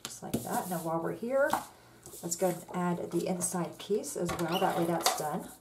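A woman's voice: on the low side, normal speed, very noisy. A woman hosting a card-making tutorial, chatting casually as she walks through each step. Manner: chatty, relaxed, step-by-step instructions with fillers. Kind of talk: casual crafting demonstration. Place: indoors at a craft table. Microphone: overhead camera on the tabletop, hands only.

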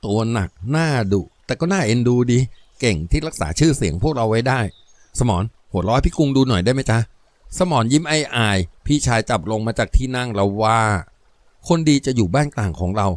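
Give me a man playing a warm-hearted elder brother with a deep, soft voice and lively intonation. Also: fairly quick, dry recording, natural voice. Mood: tender. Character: gentle, charming young elder brother.

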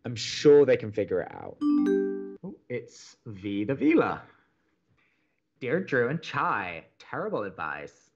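A man's voice: mid-range voice, huge pitch swings, slow, pauses often, breathy edge, lo-fi sound, soft background music, heavily acted. A man playing an upbeat, chatty young college radio co-host in an audio romantic comedy, earnest and wry. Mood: wry, animated.

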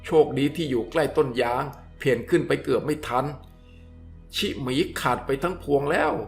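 A man voicing a cold, deadpan adult hunter who speaks in flat, curt, clipped sentences. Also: mid-range voice, moderate pace, soft background music, close to an everyday voice.

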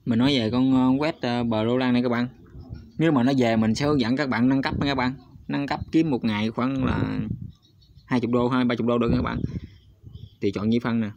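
A man's voice: mid-range voice, fairly even intonation, fairly quick, darkish tone, a little hiss or hum. A man hosting his channel, talking viewers through a screen recording in a chatty, hesitant way, with frequent fillers and constant asides to the audience. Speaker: YouTube channel host. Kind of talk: casual screen-recorded walkthrough. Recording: slightly dull lo-fi sound.

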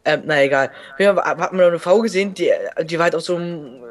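A man's voice: on the high side, fast. A man co-commenting a let's play, joking and rambling in casual gaming chat.

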